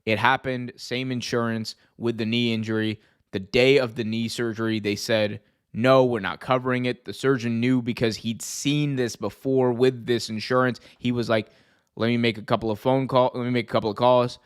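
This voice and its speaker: A man's voice: mid-range voice, little pitch movement, normal speed, clear, resonant tone. A man with a North American accent hosts a casual livestream, chatting with viewers in slangy, sweary language and often breaking into laughter. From United States. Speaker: wrestling show host and livestreamer. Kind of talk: casual livestream chat reacting to viewer comments.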